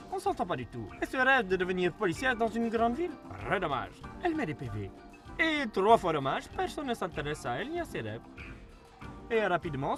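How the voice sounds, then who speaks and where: A man voicing a sly, mocking fox street hustler in a cartoon dub, smug and theatrical, with an Italian accent. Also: high-pitched.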